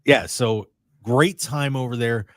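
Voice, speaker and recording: A man hosting a radio show in casual, rambling chat, his voice a little raspy and strained. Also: medium pitch, slow pace, no room sound, studio quality. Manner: chatty, excitable, rambling. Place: radio studio.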